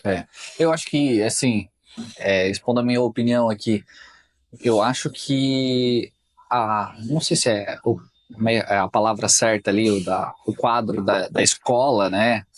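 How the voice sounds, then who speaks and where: A man's voice: on the low side, measured pace, no room sound. Easygoing male podcast host, dry sound. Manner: relaxed, agreeable, brief affirmations. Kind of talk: casual podcast interview.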